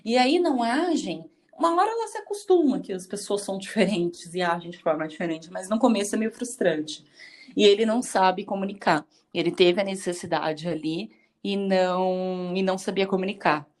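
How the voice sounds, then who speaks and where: Calm Brazilian woman co-host explaining. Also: mid-range voice. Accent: Brazilian Portuguese. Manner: measured, advisory. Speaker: podcast co-host. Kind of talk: casual chat, calm explaining.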